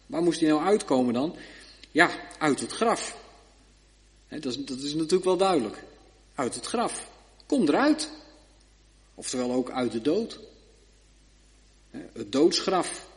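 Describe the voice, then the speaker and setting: A man giving a Bible study sermon, reading scripture aloud slowly and checking in with short tag questions. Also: fairly high pitch, expressive. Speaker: preacher. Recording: long reverb of a hall.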